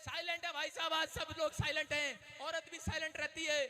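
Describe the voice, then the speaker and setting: A man from Haryana preaching in church, shouting calls to the congregation and telling jokey stories. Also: very high voice, flat delivery, fairly quick. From Haryana, India. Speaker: pastor. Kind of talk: lively preaching with call-and-response. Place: church service.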